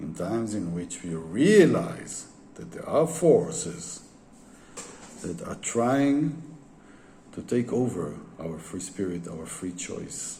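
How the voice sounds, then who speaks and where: A man with a non-native accent at a very slow pace, long and frequent pauses, very wide pitch swings, big swings in loudness and audible room echo. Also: fairly low pitch for a man. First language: not English. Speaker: spiritual teacher. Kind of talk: monologue talk. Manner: halting.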